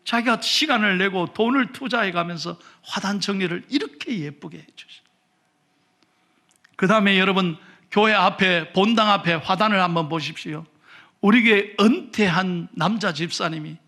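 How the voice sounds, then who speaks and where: A man with a Gyeongsang accent preaching a sermon, telling stories animatedly and swinging from shouts to whispers. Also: high-pitched, creaky. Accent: Gyeongsang Korean. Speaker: pastor.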